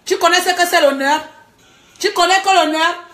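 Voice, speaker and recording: Her voice is very high-pitched and a bit bright, at a moderate pace. She's a woman vlogger at home angrily ranting to camera, scolding critics and laughing between jabs, recorded in an echoey room.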